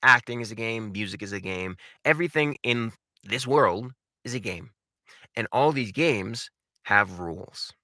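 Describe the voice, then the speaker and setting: Guy coaching viewers, lowish bright punchy voice, very dry sound, emphatic and informal. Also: unhurried, no echo. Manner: animated, emphatic, uses rhetorical questions and repetition; informal, addresses viewers directly. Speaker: voice acting coach and video host. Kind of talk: instructional talk to camera.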